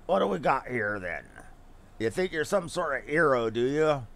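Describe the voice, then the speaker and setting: A rough sky pirate from a fantasy game, acted out by a man, pitched well below the performer's usual talk. The delivery is coarse, sneering and full of menace. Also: expressive, moderate pace, a bit bright. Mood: menacing, mocking. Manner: taunting, coarse.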